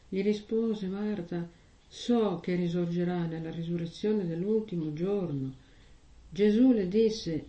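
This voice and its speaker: A woman preaches to a congregation, first reading scripture in slow, weighty phrases, then talking it through plainly with questions to her listeners. Her voice sits at a middling pitch. She sounds far from the mic in a roomy church, and the recording is muffled and lo-fi. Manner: slow, measured reading with heavy pauses; conversational preaching with rhetorical questions. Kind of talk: gospel reading and sermon. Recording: echoey, distant, dull lo-fi sound.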